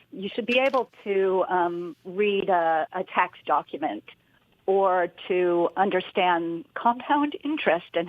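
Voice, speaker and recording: A woman's voice: lowish voice, no echo. A woman who teaches adulting, explaining her views in a thoughtful way. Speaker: adulting instructor. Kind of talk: interview clip. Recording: tinny phone line.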